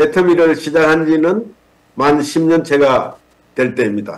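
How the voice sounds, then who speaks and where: Very slowly, a man with a fairly high voice speaks over a quiet background. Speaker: network marketing distributor; speaker. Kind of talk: speech. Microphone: video call.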